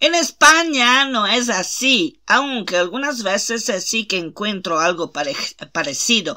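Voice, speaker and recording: In a very clean recording with a silent background, a woman talks at a fairly slow pace with a fairly high pitch, very wide pitch swings and a bright, sharp tone. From Italy. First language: Italian (speaking Spanish). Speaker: religious channel host. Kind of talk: religious talk. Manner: hesitant, with fillers.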